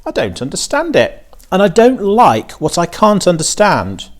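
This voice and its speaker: A man's voice: sits high, wildly swooping pitch, unhurried, pitched above the performer's own voice, exaggerated voice. A man voicing an anxious, plain-minded farm mother in a children's storybook, with a fretful, questioning manner. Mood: worried.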